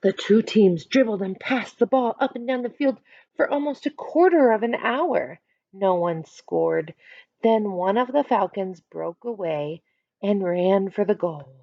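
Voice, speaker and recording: A woman reads a children's storybook in a slow, lively, swooping voice with some gravel in it. She steps out of the story to explain things in simple words, speaking straight to young listeners as a teacher would. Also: mid-range voice, dry recording, lo-fi sound. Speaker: teacher reading aloud to children. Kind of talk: animated picture-book read-aloud with teaching asides.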